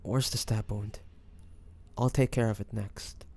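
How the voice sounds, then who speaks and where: Man acting devoted young lover, low gravelly voice, tender, hesitant, anxious, romantic audio roleplay. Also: steady tone, a little slow, a little mellow, exaggerated voice. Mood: apologetic, soothing. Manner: tender, hesitant, breathy sighs, addressing the listener. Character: devoted, anxious young man tending his wounded dragon-shifter beloved.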